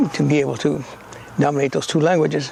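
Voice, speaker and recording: A man speaks over noticeable background noise. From US Southwest, Arizona, Yaqui Pueblo. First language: Spanish. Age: 80s+. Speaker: interviewee sharing life story. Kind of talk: oral history interview. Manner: halting, many fillers.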